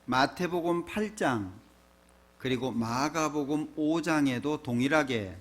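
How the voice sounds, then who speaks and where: A man's voice: on the high side, unhurried. A man pastor giving a sermon in a church, preaching conversationally with frequent rhetorical questions to the congregation.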